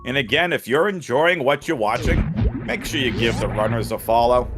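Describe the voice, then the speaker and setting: A man's voice: medium pitch, normal speed, music in the background. Boston-accented man calling a speedrun race. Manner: playful, jokey play-by-play. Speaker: tournament commentator. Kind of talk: live esports commentary.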